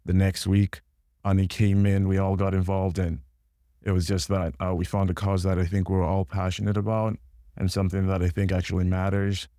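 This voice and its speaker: A man's voice: deep voice, fairly quick, no echo, clean studio sound. A young man from Congo, a student organizer, talking casually and a little hesitantly in an interview. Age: young adult. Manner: relaxed, hesitant with many ums.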